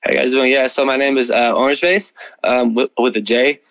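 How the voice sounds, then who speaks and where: A man in his early twenties from Imperial Valley, California, a musician guest, introducing himself in a relaxed way with some hesitation. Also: medium pitch, brisk, dry recording. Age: early 20s. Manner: relaxed, a bit hesitant with fillers.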